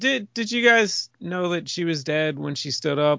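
At a moderate pace, a man speaks with high pitch and very wide pitch swings. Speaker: podcast co-host. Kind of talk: casual chat.

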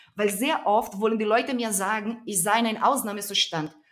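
A woman in an animated tone at a moderate pace, very clean recording with a silent background. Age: 30s. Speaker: activist and entrepreneur. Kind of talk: casual interview conversation.

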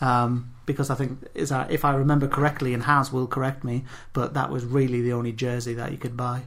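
A somewhat breathy man with a northern English accent, fairly high in pitch, at a fairly quick pace. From northern England. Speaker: podcast host, amateur basketball player. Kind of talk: casual chat.

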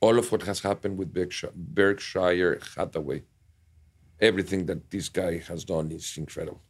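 With a Mexican accent, a man talks at a moderate pace in a very deep, low voice with ordinary pitch variation, recorded very cleanly against a silent background. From Mexico City. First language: Spanish. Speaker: sports media executive. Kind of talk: interview.

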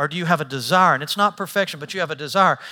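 Bright, sharp in tone, a man speaks with a Tennessee accent. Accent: Southern US, Tennessee. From US South. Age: 50s. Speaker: pastor. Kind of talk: sermon. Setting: church.

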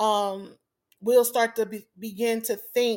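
Very clean with a silent background, this recording has a woman at a fairly high pitch talking at a moderate pace in a monotone, flat intonation. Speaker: podcast host and minister. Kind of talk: sermon-like religious talk. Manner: earnest, encouraging, uses filler words.

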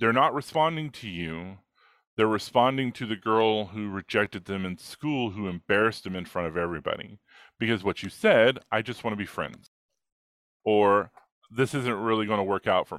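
A man speaks with an American accent at a fairly low pitch, a moderate pace and ordinary pitch variation. The recording is very clean with a silent background, and the sound is dry and close with no echo. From rural Texas. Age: 40s. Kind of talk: podcast interview. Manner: animated.

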